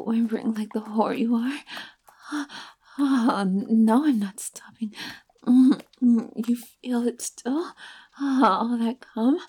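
Woman playing a breathy, whispering life-draining temptress. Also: a little high, mellow. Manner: breathy, whispered, domineering teasing. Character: predatory seductive female life-draining creature. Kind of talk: erotic audio roleplay.

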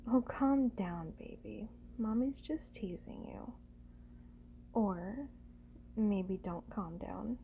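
Woman playing tender caretaking lover, breathy whispers, soft mellow tone, coaxing and reassuring, intimate audio roleplay, faint background noise. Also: medium pitch, slow pace, long pauses, dull audio. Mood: gentle, teasing. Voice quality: breathy, often slipping into whispers. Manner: gentle, coaxing, soothing.

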